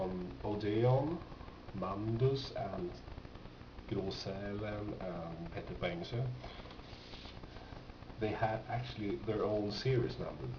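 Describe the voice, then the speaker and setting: Slow, low-voiced man, distant roomy recording. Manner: hesitant, rambling, thinking aloud. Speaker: record collector presenting his finds. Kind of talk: casual unscripted show-and-tell. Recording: roomy, distant, muffled, noisy home recording.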